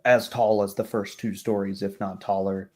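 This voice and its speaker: A man narrating a tabletop roleplay game as game master in a measured, descriptive way. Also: fairly low pitch, little pitch movement, darkish tone.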